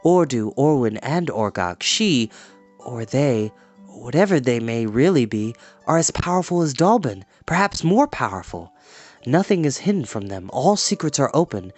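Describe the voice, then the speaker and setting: A storybook reader playing an earnest, resolute young man on a quest, speaking in a measured, solemn way. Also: mid-range voice, big pitch swings, faint music behind. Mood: earnest, hopeful. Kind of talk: storybook character reading.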